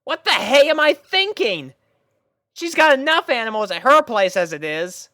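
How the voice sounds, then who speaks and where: A storyteller voicing a brash, caring, excitable cartoon pegasus pony mare with emphatic, drawn-out announcements. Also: medium pitch, no echo, clean studio sound, pitched above the performer's own voice. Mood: excited.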